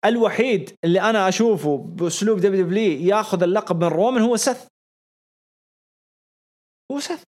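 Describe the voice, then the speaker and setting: Excitable man on a podcast. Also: high voice, racing, hardly any pauses. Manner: excitable, repeats phrases for emphasis. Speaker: podcast co-host. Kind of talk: casual podcast commentary.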